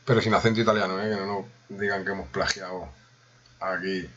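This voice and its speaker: A man's voice: low voice, level tone, a little fast, fairly bright tone, highs cut off. A man with a Spain Spanish accent giving a joking running commentary to himself during a casual live coding stream.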